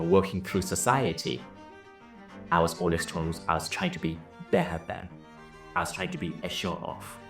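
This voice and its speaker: A business and leadership coach from Zimbabwe tells his own life story, earnest and reflective, over soft violin music. His voice sits low and sounds gravelly, picked up by a roomy, somewhat distant mic.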